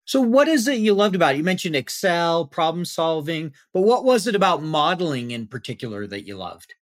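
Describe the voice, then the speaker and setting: A man's voice: fairly high pitch, very animated, a little fast, no room sound, studio quality. A man hosting a live panel discussion, asking guests friendly questions in an upbeat way. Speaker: podcast host.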